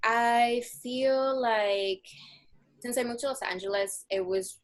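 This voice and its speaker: A young Mexican woman with a fairly high voice talks slowly and chattily about her job search. She's a coaching client giving a testimonial, and her casual interview answers are peppered with "like" and "um."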